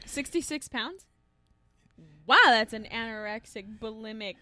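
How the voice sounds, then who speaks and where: A woman's voice: on the high side, pushed and bright, no room sound. A woman co-hosting a podcast, teasing and laughing in casual chat from a studio. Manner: laughing, teasing, quick banter. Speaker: podcast co-host. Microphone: studio mic.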